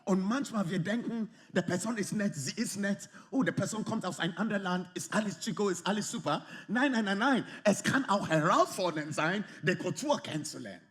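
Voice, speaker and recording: A man preaching a sermon in lively, slightly non-native German with English phrases mixed in. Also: sits high, brisk, few pauses. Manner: animated, lively, often acts out quoted arguments. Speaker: pastor.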